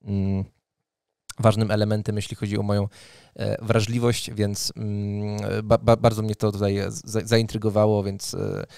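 A man in his thirties hosting a casual podcast, speaking haltingly into a close studio mic. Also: fairly low pitch, level tone, mellow, smooth, dry recording. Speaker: podcast host. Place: indoor home studio room. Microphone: close studio mic on arm.

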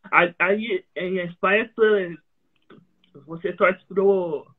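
A man from Brazil with a Brazilian Portuguese accent, hosting a live interview and asking short questions in halting Spanish. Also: high-pitched, breathy edge, narrow, tinny audio. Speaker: host. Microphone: video call.

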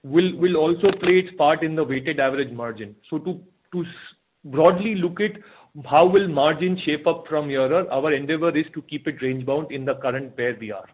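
A man with an Indian accent answering questions as an executive on an earnings call, speaking haltingly and repeating his phrases. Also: fairly high pitch, husky. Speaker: company executive answering analysts. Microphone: telephone conference call. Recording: narrow, tinny phone conference line.

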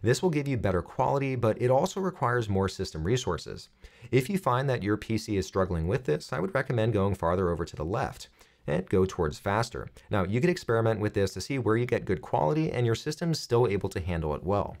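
A man in his thirties presenting a software tutorial, explaining things clearly step by step. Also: fairly low pitch, lively intonation, fairly quick.

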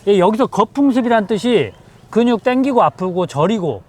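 Guy explaining herbs outside on a farm, bouncy high voice, keeps quizzing ppl. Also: moderate pace. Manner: lively, teacherly, quizzes his guests. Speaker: herbal medicine professor and host. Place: outdoors on a hillside farm.

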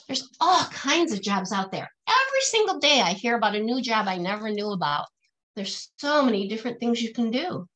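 A woman's voice: on the high side, big pitch swings, a little fast, fairly bright tone. A middle-aged woman reading a picture book aloud to children in a singsong, teacherly way, stressing the rhymes and asking questions.

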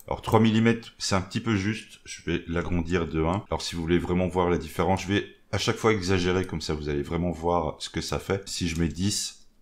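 A man talking through a software tutorial in a relaxed way, narrating each step as he goes with little interjections and stumbling over English terms. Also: deep voice, fairly quick. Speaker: maker explaining a software tool. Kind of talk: screen-recorded tutorial.

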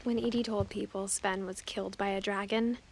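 A woman voicing a young woman who narrates her family's history in a video game, speaking softly and close to a whisper. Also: mid-range voice, flat delivery, fairly quick, slight background noise, natural voice. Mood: calm. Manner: soft, hushed storytelling, often near a whisper.

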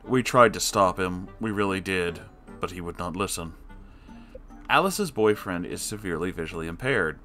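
A man reading an online story aloud, adding sarcastic asides to the listener in a lively voice that swings between loud and quiet. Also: sits low, normal speed, faint music behind. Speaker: story reader.

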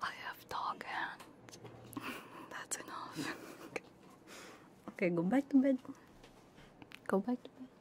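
A woman's voice: fairly high pitch, expressive, slow, pauses often. A woman livestreamer chatting casually and playfully, often dropping into a whisper, with a giggly, doting way of talking as if to pets. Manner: giggly, doting and playful, cooing to pet dogs. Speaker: livestreamer, ASMR VTuber. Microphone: binaural 3Dio ASMR microphone. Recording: faint background noise, live stream.

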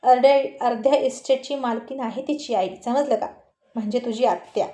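A woman's voice: on the high side, moderate pace, dark tone, reverberant, natural voice. Woman voicing teasing old grandfather. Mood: scolding. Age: older. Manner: teasing, scolding.

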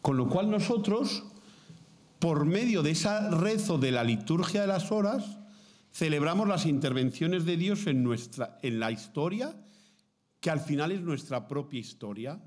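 Spanish priest lecturing nuns, storytelling vibe, acts out the quotes, keeps asking "mm?", bit high voice. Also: male voice, unhurried. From Spain. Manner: lively storytelling with acted quotes, frequent "¿mm?" check-ins. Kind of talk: formative talk to contemplative nuns. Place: seminary lecture hall.

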